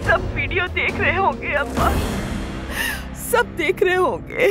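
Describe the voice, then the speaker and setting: A woman's voice: a little high, huge pitch swings, moderate pace, over loud music. A middle-aged woman voicing a worried, protective mother who questions her daughter in a dubbed TV drama. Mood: distressed. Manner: anxious, questioning.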